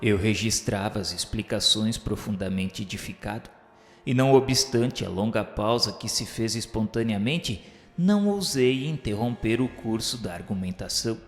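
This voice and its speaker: An actor with a Brazilian accent playing a reverent disciple who narrates a spiritual radio drama in formal, literary diction. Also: male voice, lowish voice, moderate pace, faint music behind, close to an everyday voice. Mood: solemn, edified. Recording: echoey hall reverb.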